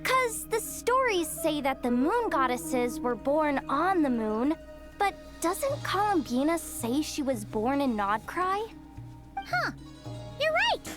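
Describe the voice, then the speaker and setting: Tiny squeaky childlike game fairy. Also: female voice, big pitch swings, slow pace, over music, exaggerated voice. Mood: puzzled. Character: tiny, perky, childlike fairy companion, naively curious. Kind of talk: video game character acting.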